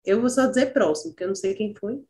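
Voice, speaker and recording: A woman's voice: mid-range voice, lively intonation, very fast, mellow. A woman teacher giving encouraging feedback to students in an online class, speaking over a video call and thinking aloud with fillers.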